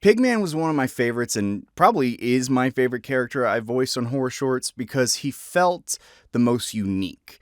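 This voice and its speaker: A man's voice: mid-range voice, lively intonation, moderate pace, no echo, studio quality. A man talking casually to viewers as a voice actor, presenting favorite characters.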